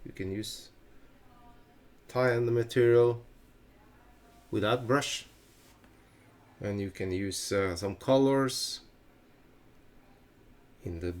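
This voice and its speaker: A middle-aged Norwegian man speaking English with a Norwegian accent, hosting a casual fly-tying tutorial with halting phrasing and many fillers. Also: medium pitch, darkish tone. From Norway. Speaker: fly-tying channel host.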